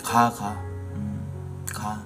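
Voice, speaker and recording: A man ranting at his chat during a live stream, swearing and building into angry shouts. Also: fairly low pitch, completely flat delivery, extremely slow, over music. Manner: angry, profane, rising to shouting. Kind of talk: casual live-stream rant.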